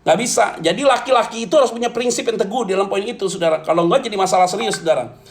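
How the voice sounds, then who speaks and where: A man preaching to a congregation as pastor, animated and jokey, often turning to address his listeners directly. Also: sits high, very fast. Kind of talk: lively humorous sermon.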